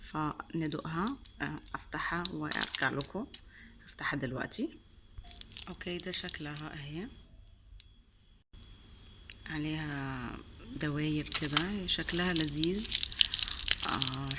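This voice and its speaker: Heavy noise surrounds a woman with a low voice and an Egyptian Arabic accent who is tasting sweets for her vlog. She chats casually and enthusiastically, repeating words for emphasis and slipping in English and French terms.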